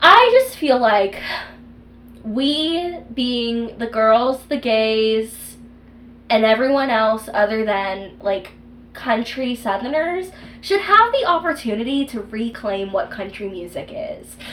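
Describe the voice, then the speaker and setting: A woman speaks at a very slow pace with a fairly high pitch and lively intonation. She has an American accent, with noticeable background noise. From Texas. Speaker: comedy podcast co-host, improviser. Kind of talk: casual chat.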